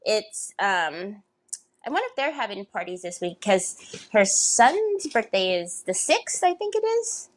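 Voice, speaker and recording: A woman in her fifties with a high, bright-sounding voice hosts a craft livestream. She greets viewers one by one in a bubbly, chatty way and laughs easily. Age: 50s.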